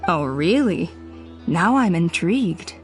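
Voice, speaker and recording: An actress playing a calm, authoritative tribal elder in a video game, poised and businesslike. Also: female voice, fairly low pitch, slow, faint music behind.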